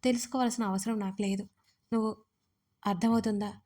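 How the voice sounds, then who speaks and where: A woman voicing an earnest young man in love who teases gently, in an audio story. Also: mid-range voice, fairly even intonation, brisk, lightly acted. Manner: playful, earnest.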